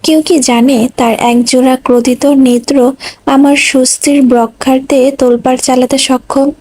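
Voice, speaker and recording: A woman's voice: sits high, fairly even intonation, moderate pace, darkish tone, low-quality recording. A woman reading as a stern caring young man. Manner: scolding, firm. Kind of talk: audiobook reading.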